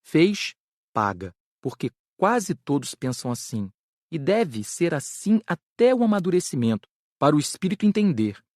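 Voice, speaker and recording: A man with a Brazilian accent playing an earnest spirit doctor who lectures on an audiobook, measured, didactic and carefully enunciated. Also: on the high side, big pitch swings, darkish tone, no echo, studio quality. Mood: measured, instructive. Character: Frederico, earnest spirit doctor teaching karma.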